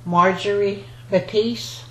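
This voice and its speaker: Slow-speaking older woman. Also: medium pitch, fairly even intonation. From rural Louisiana, United States. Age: 70s or older. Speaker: basket maker interviewee. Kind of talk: oral history interview, personal recollection. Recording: roomy echo, faint background noise.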